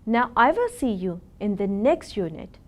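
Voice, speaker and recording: Female teacher, scripted lesson, careful deliberate delivery. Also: mid-range voice, very animated. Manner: slow, careful, sounding out words.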